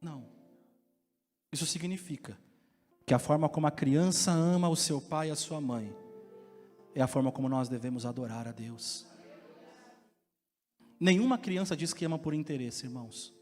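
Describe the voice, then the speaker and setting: A Brazilian man preaching a sermon as pastor, with impassioned delivery that climbs to loud, emphatic peaks. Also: on the high side, normal speed, pauses often. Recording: reverberant hall with faint music.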